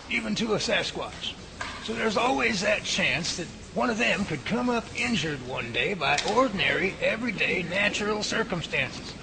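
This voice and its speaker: A man playing a composed, patient professor who leads a research team and explains things in a measured way in an amateur radio drama. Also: sits high, gravelly, background noise.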